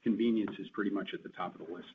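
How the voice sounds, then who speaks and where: Low-voiced male executive, dull call audio. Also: steady tone, racing. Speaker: company chief executive. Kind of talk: earnings call answers. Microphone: conference call line. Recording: dull conference call line, faint noise.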